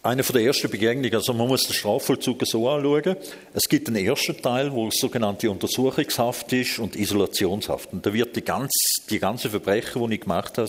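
Swiss German man recounting his past, low voice, blunt and frank, long reverb. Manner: candid, blunt, emotional storytelling. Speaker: interviewee. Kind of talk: personal life story in an interview.

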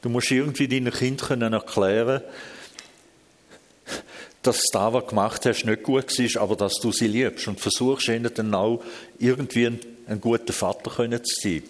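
A man's voice: mid-range voice, fairly even intonation, normal speed, in a large hall. A man with a Swiss German accent, telling his life story in an interview in a blunt, candid, emotional way.

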